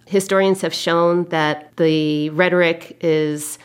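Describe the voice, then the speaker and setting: A woman historian giving measured explanations in an interview. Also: on the low side, fairly even intonation, clean tone.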